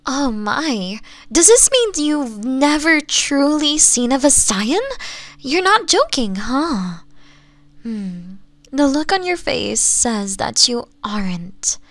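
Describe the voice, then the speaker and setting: A sweetly teasing, possessive fox woman played by a woman in an ASMR roleplay. Her voice is fairly high and unhurried, soft and coaxing, slipping into breathy whispers. The sound is close and dry, with almost no room to it. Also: very animated, no room sound, heavily acted. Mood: amused, pitying.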